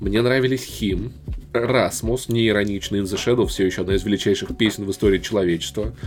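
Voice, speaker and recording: A man speaks at very even loudness over noticeable background noise. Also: fairly low pitch for a man, ordinary pitch variation, fairly quick pace. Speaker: podcaster and music streamer. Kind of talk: casual chat.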